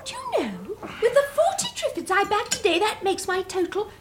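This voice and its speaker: Chirpy, very high-voiced British girl. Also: wildly swooping pitch, a little fast, heavily acted. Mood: cheerful, proud. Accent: British English. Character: eager, chirpy young girl survivor on a farm. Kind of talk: 1960s British radio drama acting. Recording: noisy vintage radio drama recording.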